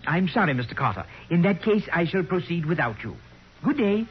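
A man's voice: sits high, big pitch swings, fairly quick. An actor playing a prim henpecked professor in his fifties, speaking formally and precisely in 1940s radio style. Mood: stubborn, polite. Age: 50s. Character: prim henpecked middle-aged male professor, naive and stubborn. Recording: muffled old radio recording with hiss.

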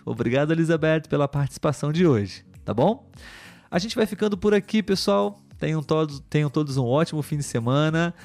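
A man's voice: on the high side, darkish tone. A man hosting a live stream for Portuguese learners, reading viewer comments in a patient, teacherly way with many filler tags. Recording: faint music in the background.

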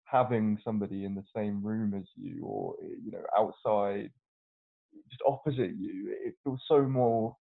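Earnest male co-host, gravelly low voice with frequent restarts, heard over a tinny call line. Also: measured pace. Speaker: podcast co-host. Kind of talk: casual chat over video call. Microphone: video call. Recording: tinny phone-like video call audio.

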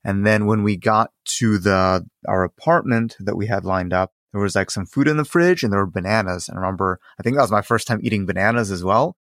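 A man in his thirties, raised in Ohio after an early childhood in Ukraine, talking thoughtfully as a podcast guest and often trailing off softly. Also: on the low side, a little fast, few pauses, no echo, clean studio sound. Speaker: guest, circus performer. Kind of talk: casual interview chat.

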